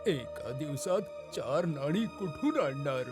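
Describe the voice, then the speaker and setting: Casting: anxious poor cartoon farmer, high pitch, slow, faltering, meek. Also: male voice, animated. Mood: nervous, apologetic. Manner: hesitant, stammering, meek. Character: timid, anxious poor male village farmer in debt. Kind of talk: animated children's moral story voice acting. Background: music.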